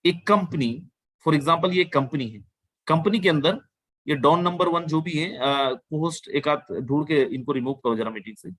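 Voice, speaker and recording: A man's voice: fairly high pitch, measured pace, fairly bright tone, no room sound, poor audio. A man giving a persuasive sales webinar over a video call, repeating his points and mixing in phrases. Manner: persuasive, repetitive, mixes Hindi with English phrases. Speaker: webinar presenter.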